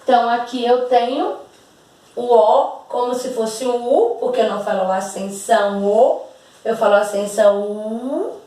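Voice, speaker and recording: A Brazilian woman teacher speaks slowly and patiently, stretching out words so their sounds come through clearly. Her voice sits a little high and reaches the mic from a distance. It rings around a very echoey room. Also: steady tone, dark tone. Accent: Brazilian Portuguese. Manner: slow and patient, drawing out words to demonstrate sounds. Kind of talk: slow, over-articulated classroom explanation.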